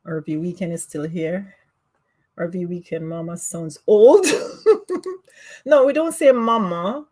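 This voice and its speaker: A woman with a Jamaican accent chats easily with her livestream viewers and laughs often at herself. Her voice sits low, and she takes her time with every phrase. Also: measured pace, a little mellow. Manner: giggly, laughs often, self-teasing. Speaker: livestream host. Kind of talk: casual livestream chat reading comments.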